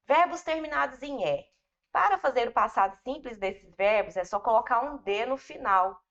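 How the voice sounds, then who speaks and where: A woman's voice: a little high, expressive, moderate pace, fairly bright tone. A woman teacher with a Brazilian Portuguese accent, giving a patient, step-by-step grammar lesson and speaking informally to her students. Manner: addresses students informally, explains patiently with repetition. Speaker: English teacher. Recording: dull, lo-fi recording.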